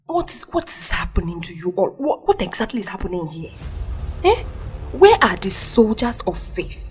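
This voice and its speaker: A woman's voice: mid-range voice, big pitch swings, normal speed, close to an everyday voice. A woman playing a devout, scolding Nigerian Christian mother in an audio drama, with a Nigerian accent and an insistent, preachy manner. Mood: indignant preaching. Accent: Nigerian Igbo-language English. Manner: preachy, exclamatory, repeats herself insistently. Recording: music behind the voice.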